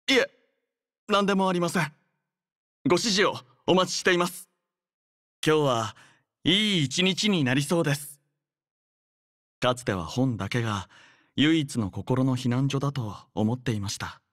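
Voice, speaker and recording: Composed, polite young android officer. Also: male voice, mid-range voice, dry recording, studio quality. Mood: courteous, composed, then tender, reflective. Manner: polite, formal, measured, softly caring. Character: composed, dutiful young male android squad leader, gently devoted. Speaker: voice actor in a mobile game. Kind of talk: anime game character voice lines.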